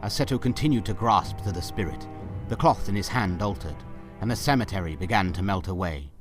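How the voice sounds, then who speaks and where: A male narrator with a deep voice tells a scripted story in a dramatic style. Faint music plays behind him, as in an audio drama. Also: lively intonation, fairly quick.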